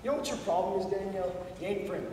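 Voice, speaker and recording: A man's voice: high voice, racing, warm tone, slight background noise, close to an everyday voice. An actor playing a rowdy, drunk rural man who taunts and brags crudely. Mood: taunting. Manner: taunting, crude, swaggering storyteller. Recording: echoey hall, far from the mic.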